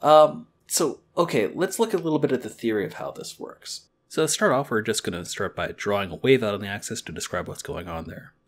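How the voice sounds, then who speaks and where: A man teaching a screen-recorded lesson on a quality desk microphone, calmly explaining audio editing and wave theory step by step. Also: on the low side, brisk, hardly any pauses, slight background noise. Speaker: library educator.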